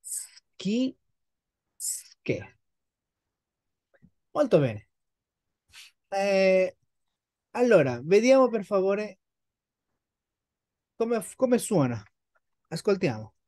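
A woman leads a beginners' class, talking slowly and patiently. She repeats and models each word with care for her students. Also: medium pitch, sing-song, a little mellow. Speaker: Italian teacher. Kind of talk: online language lesson.

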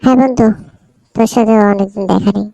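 Casting: woman playing a bossy, caring cartoon pal who teases and nudges; gravelly mellow tone, medium pitch. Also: fairly even intonation, fast talker, dry recording, muffled recording. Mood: friendly. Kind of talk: cartoon dialogue.

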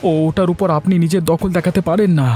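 A man's voice: sits high, steady tone, fast talker, dark tone, voice pushed up, close to an everyday voice. A man voicing a poor village man who stands up to the headman, polite at first but stubborn. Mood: defiant. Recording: faint music behind.

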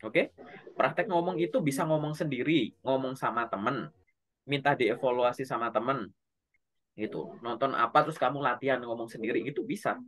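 A man coaching a learner on job interviews in a relaxed, conversational way, speaking straight to them. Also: mid-range voice. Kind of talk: casual online coaching session.

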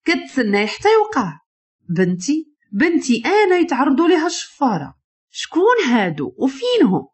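A woman's voice: sits high, wildly swooping pitch, moderate pace, voice pushed up. A woman with a Moroccan accent voicing a stern, protective, wealthy father who gives orders. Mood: stern, worried. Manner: commanding, worried.

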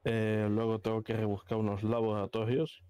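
Mellow, smooth-voiced man in game chat. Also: lowish voice, flat delivery, normal speed, no echo. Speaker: player in online roleplay group. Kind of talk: improvised in-character gaming chat.

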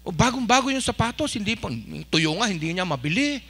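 A man's voice: high-pitched, animated, a little fast, pushed and bright, exaggerated voice. Man muttering as a catty gossiping neighbor. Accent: Filipino.

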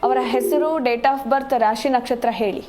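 A woman hosts a live call-in show and moves callers along with brisk, businesslike questions. Her voice sits a little high, and faint noise runs under the recording. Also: darkish tone. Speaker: show host.

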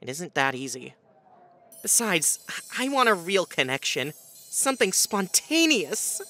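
A woman's voice: lowish voice, very animated, a little slow, sharp tone, exaggerated voice. A woman voicing an anxious, self-deprecating writer and hopeless romantic in a comic dub, with a dramatic, self-pitying manner. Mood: defensive, despondent. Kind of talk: comic dub voice acting with inner monologue. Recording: music bed under the voice.

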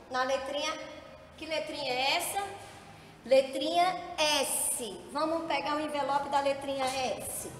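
A woman teacher explaining a board game to young children, counting aloud slowly and coaxing them along, recorded in an echoey room from some distance away. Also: sits high, pushed and bright, a little hiss or hum.

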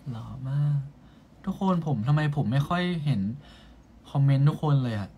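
A man's voice: mid-range voice, normal speed, warm tone, slightly rough. A young man casually chatting on a live stream, reading viewer comments aloud and bantering playfully with them.

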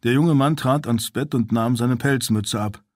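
A man narrates a novel at a steady, measured pace. His voice sits in the middle range. The recording is dry and close to the mic. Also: medium pitch, no room sound. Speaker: audiobook narrator. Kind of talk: scripted narration.

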